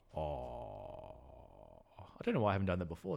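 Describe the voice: A man with an Australian accent speaks with a very deep, low pitch. Vocal fry runs through his voice.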